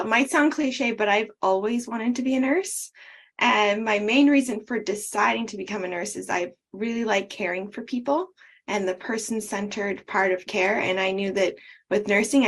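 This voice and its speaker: A woman's voice: mid-range voice, normal speed. A woman from Canada, a nursing student, speaking sincerely and fluently. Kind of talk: panel answers.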